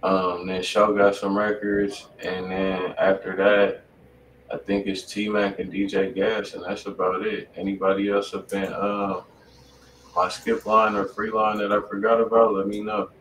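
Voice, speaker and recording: A man's voice: fairly low pitch, monotone, measured pace, fairly bright tone. A man hosting a live music review stream from a home studio, talking in loose, slangy, casual chat. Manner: laid-back street slang, loose and conversational. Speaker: radio stream host reviewing submitted music. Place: home studio room at a desk. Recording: roomy and distant with faint noise.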